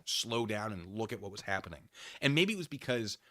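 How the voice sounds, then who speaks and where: A man's voice: fairly low pitch, big pitch swings, fairly quick, pushed and bright, dry recording, studio quality. A man hosting a livestream, giving casual, rambling commentary with playful, self-deprecating asides and chat with his viewers.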